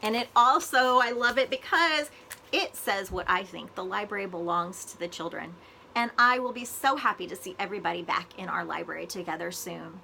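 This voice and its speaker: A woman librarian reading a children's storybook aloud, with expressive, deliberate phrasing for young listeners. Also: mid-range voice, gravelly, slight background noise, rough recording.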